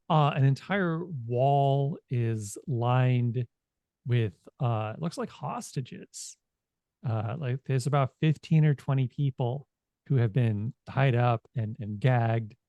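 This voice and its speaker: A man speaking in a halting, informal way as he narrates a tabletop game as game master. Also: mid-range voice, darkish tone, no room sound.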